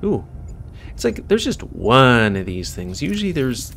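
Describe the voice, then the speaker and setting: American man with lively pitch, casual gaming commentary. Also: unhurried, gravelly, a little hiss or hum. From United States. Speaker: let's play host. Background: video game music.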